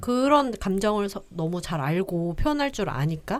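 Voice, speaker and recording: Her pitch is medium, and she speaks at a moderate pace. This woman's pitch swings very widely. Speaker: podcast co-host. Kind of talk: book review podcast talk.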